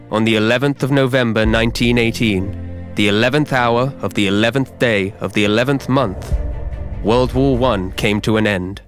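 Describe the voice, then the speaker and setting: A man reading scripted narration as a professional voiceover artist, measured and clearly articulated. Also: mid-range voice. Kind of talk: scripted narration for audiobook, documentary and adverts.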